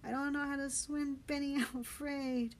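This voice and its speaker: Woman voicing Patty, high-pitched scared young Marine. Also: moderate pace, a little mellow, slight background noise, close to an everyday voice. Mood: afraid. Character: scared, exhausted but stubborn boy Marine, Patty.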